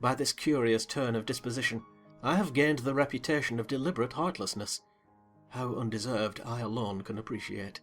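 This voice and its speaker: Male audiobook narrator, mid-pitched voice, measured and expressive, faint music behind. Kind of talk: dramatized reading of classic fiction.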